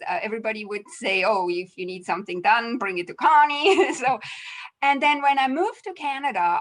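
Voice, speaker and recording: A chatty middle-aged woman from Switzerland talks as a guest in a casual interview. She often laughs and restarts her sentences, and her voice sits on the higher side. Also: a bit bright, rough recording. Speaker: clutter clearing coach, guest.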